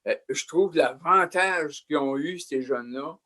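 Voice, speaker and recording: An older man speaks in a somewhat high voice. He talks plainly, pauses often to search for words, and reaches for folksy comparisons. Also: bright, forceful tone. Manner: plain-spoken, hesitant fillers, folksy sayings. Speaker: panelist.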